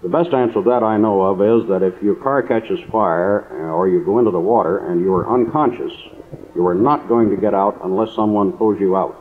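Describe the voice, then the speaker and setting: A man's voice: on the low side, moderate pace. An American man explaining things plainly and formally as an expert guest in a 1950s radio interview. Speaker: guest surgeon. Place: convention hall radio interview. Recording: muffled phone-like 1950s radio recording.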